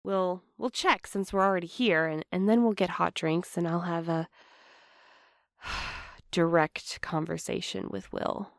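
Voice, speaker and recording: A woman playing an anxious, apologetic young postal worker in a fiction podcast, earnest and halting in her delivery. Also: fairly low pitch, fairly even intonation, vocal fry, no room sound, clean studio sound. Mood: guilty, hesitant. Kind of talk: fiction podcast audio drama acting.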